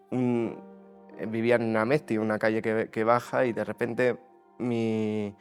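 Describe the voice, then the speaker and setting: A Basque man in his twenties, his voice medium-pitched and a little mellow, gives an interview testimony. He sounds hesitant, using fillers and frequently stopping to start his words over.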